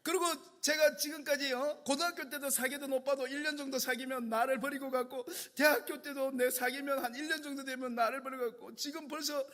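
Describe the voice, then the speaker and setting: A man voicing an upset young woman student who protests loudly that every boyfriend leaves her, during a sermon anecdote. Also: steady tone, fairly quick, hardly any pauses. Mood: indignant. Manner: pleading, protesting, high and loud. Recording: long church hall reverb.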